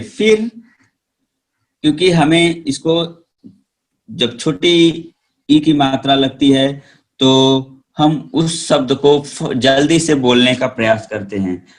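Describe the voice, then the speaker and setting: A man teaching a primary school Hindi phonics lesson online, drawing out each word slowly and repeating it with emphasis. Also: medium pitch. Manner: slow, drawn-out word drills with repeated emphasis.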